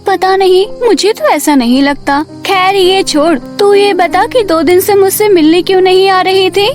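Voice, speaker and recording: A woman's voice: very high-pitched, normal speed, soft background music. A woman playing a young, devoted and headstrong serpent princess in a cartoon story. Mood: friendly.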